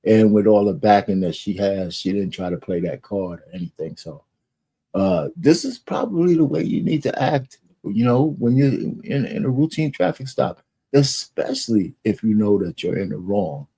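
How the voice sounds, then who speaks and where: Deep, husky male commentator. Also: animated, normal speed, dark tone. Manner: blunt, colloquial, profane. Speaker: video commentator. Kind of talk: casual opinionated commentary.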